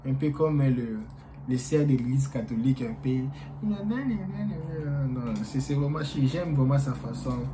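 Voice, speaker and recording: This YouTuber, a man whose mother tongue is Portuguese, addresses his viewers in a loose, rambling way, pausing often and filling gaps with fillers. He has a medium pitch and lively intonation, and the background is noisy.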